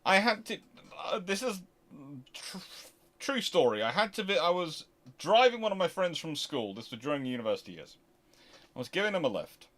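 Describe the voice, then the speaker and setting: A British man hosting a casual question-and-answer chat, talking in a rambling, halting way and often interrupting himself. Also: high-pitched. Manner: rambling, halting, animated anecdotes with self-interruptions. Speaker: host answering viewer questions.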